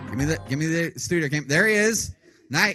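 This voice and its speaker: The voice is loud, with a bright, sharp tone, lively intonation and an animated tone. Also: man. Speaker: high school media teacher. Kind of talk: classroom lecture streamed live. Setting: school studio, live stream.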